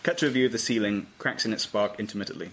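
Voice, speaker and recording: A man's voice: fairly low pitch, rapid-fire. A man narrating scripted stage directions aloud at an informal table read. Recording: noisy amateur room recording, clicks.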